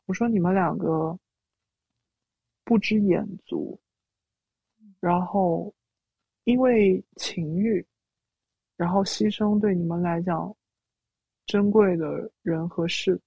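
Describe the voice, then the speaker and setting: A woman's voice: lowish voice, slow pace, creaky, pauses often, slightly rough, dry recording. A woman guest telling a personal story through a voice changer, often quoting her own words. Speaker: interview guest. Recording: dull lo-fi audio.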